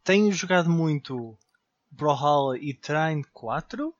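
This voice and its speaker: A man with a European Portuguese accent, co-hosting a casual gaming podcast over a degraded, half-robotic remote call, relaxed and mixing in English slang. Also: fairly high pitch, slow, dry recording. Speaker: podcast co-host. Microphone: remote call from outside the studio. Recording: dull lo-fi remote line.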